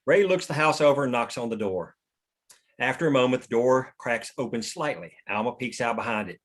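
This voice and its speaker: A man's voice: medium pitch, a little fast. A man narrating scene headings and stage directions at a script table read.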